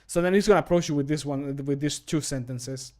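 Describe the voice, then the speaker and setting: A man in his thirties with a slightly high voice talks casually to a livestream from a room at home. He is chatty and jokey, easily amused by himself, and keeps things animated. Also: brisk. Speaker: streamer and hobby game modder recording voice lines. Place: small home room, indoors.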